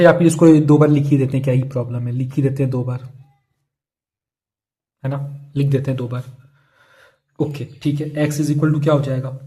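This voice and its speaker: A man's voice: mid-range voice, warm tone. A young man teaching a casual math lesson online, chatty and repeating each key step as he works through problems. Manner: chatty, repeats key steps, calls students "yaar" and "bhai". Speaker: math tutor.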